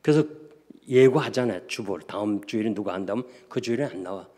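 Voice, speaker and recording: A Korean man preaching a revival sermon, telling stories and swinging between hushed asides and loud exclamations. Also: fairly low pitch, quick pace. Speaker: pastor. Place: church sanctuary. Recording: long church reverb.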